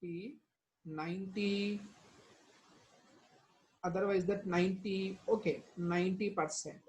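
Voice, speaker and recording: A woman's voice: mid-range voice, steady tone, slow, darkish tone, low-quality recording. South Asian woman teaching step by step. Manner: addresses students with prompting questions and tag words. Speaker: chemistry teacher. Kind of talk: instructional lesson, explaining formulas step by step.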